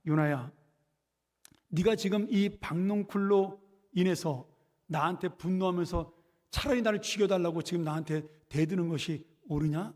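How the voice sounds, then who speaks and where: A pastor playing a patient, coaxing God. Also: male voice, sits high, darkish tone, lightly acted. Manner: slow, soothing questioning. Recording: long church reverb.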